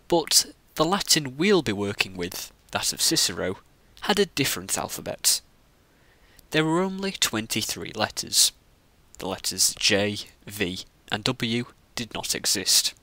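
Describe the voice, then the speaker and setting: A man teaching the Latin alphabet, explaining each letter slowly and carefully. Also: lowish voice, sing-song, sharp tone, no room sound. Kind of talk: scripted lesson narration.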